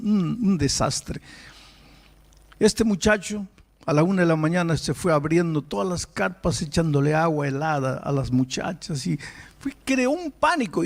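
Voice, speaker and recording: Male pastor, sermon storytelling, fairly high voice, emphatic, animated delivery, broken-off restarts.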